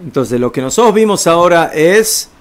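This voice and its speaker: A man's voice: on the high side, animated, moderate pace. A man teaching an informal religious law lesson, explaining step by step and checking in with his listeners. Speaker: rabbi teaching a class.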